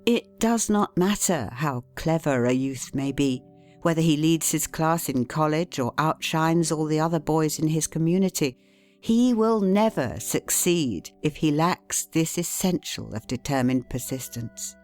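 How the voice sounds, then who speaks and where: A woman with a notably low voice reads an old self-help book aloud as an audiobook. She takes her time and leans on key words with steady pauses. Soft instrumental music plays quietly under her. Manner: measured, deliberate reading with emphatic pauses. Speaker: audiobook narrator. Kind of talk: scripted narration of a classic self-help book.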